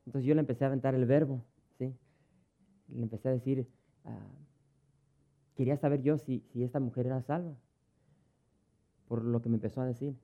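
Direction: a man preaching in an easy, conversational way, acting out the people in his stories at a mid-range pitch. The sound comes through thin and tinny, like a phone line. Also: fairly even intonation, a little fast, pauses often, dark tone. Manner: conversational, storytelling, acts out dialogue. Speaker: pastor. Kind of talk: sermon with personal anecdotes. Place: church.

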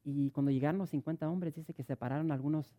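A man's voice: fairly high pitch, fairly even intonation, quick pace, phone-quality sound. A middle-aged man preaching a sermon, telling stories with many stuttered restarts. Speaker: pastor.

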